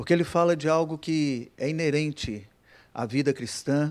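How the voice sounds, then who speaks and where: At a fairly slow pace, a man speaks with ordinary pitch variation in a very clean recording with a silent background. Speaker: guest preacher. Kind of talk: sermon. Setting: church.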